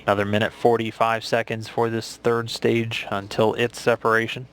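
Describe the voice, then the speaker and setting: An American man giving measured, matter-of-fact live commentary from mission control. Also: on the low side, little pitch movement, a bit bright.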